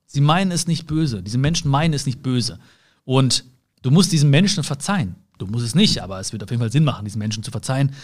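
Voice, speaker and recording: A man speaking directly to the listener in a motivational monologue, earnest, with repeated phrases, slowing right down on some words and rushing through others. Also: medium pitch, expressive. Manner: earnest, swings between soft slow words and quick asides.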